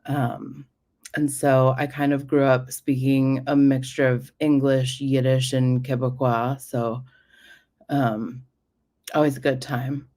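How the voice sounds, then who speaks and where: A woman's voice: extremely low pitch, little pitch movement, slow pace, dark tone. A woman hosting a casual livestream, rambling and chatty as she drifts from one topic to the next. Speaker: livestream host.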